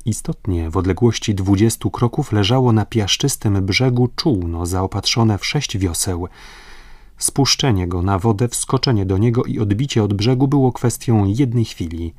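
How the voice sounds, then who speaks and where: A man narrating an adventure novel as an audiobook, in steady, measured storytelling. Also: on the low side, no echo, studio quality.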